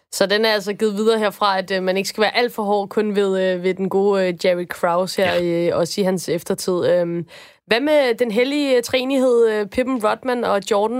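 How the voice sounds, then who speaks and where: A woman with a plain, everyday voice speaks at a fairly high pitch and moderate pace, with ordinary pitch variation and hardly any pauses, on a very clean recording with a silent background. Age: 30s. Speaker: radio host. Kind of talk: casual chat. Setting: studio.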